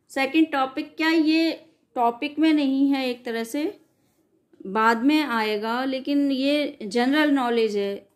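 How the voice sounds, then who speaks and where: Woman teacher reading out grammar notes. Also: on the high side. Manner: reads out definitions, then re-explains them in loose spoken asides; frequent self-corrections and "sorry". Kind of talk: exam-prep grammar lesson.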